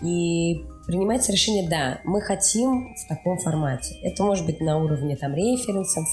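A production executive from an animation studio, interviewed as a guest, answers explanatorily, going step by step and often checking she is being followed. Her voice is on the low side, a little mellow, at a moderate pace, recorded with roomy echo and faint music behind.

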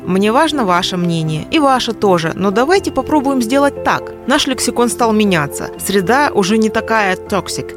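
Lively American woman, music behind. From California, USA. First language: English. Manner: lively, animated storytelling with wide swings in pitch. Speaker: interview guest. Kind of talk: podcast interview.

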